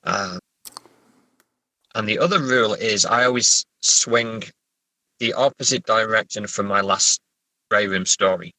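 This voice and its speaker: A man talking casually as a writer being interviewed, halting as he thinks aloud. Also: lowish voice, sharp tone, no room sound, low-quality recording. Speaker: writer, podcast guest. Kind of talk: casual interview chat about writing.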